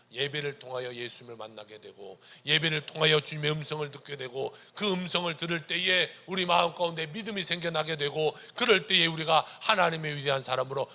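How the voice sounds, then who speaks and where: A male pastor preaching a sermon, swinging between loud cries and hushed whispers. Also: fairly high pitch, vocal fry.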